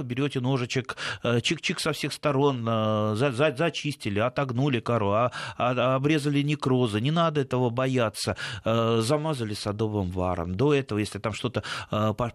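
A man's voice: mid-range voice, dry recording, clean studio sound. A man giving gardening advice on a radio show, in a folksy, rambling way with many hesitations and restarts. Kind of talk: casual advice chat.

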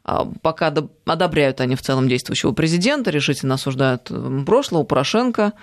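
A woman's voice: deep voice, expressive, fast talker. A woman hosting a political talk show, speaking in an emphatic, indignant way.

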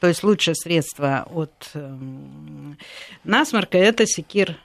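A woman in her sixties from Latvia, a politician, who speaks with frequent pauses, fillers and restarts in a conversational interview. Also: deep voice, expressive, gravelly, no room sound. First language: Russian. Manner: hesitant, many fillers and restarts.

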